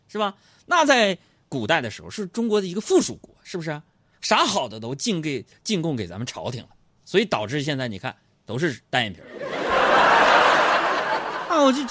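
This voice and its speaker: A man with a Northeastern Chinese accent hosts a joking monologue in a fairly high voice. His pitch swings widely, and he teases the listener and slips into playful mock voices as he tells his story. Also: fairly bright tone, slightly rough, no room sound. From Northeast China. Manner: jokey, playful teasing, sudden jumps into high mock voices. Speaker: host.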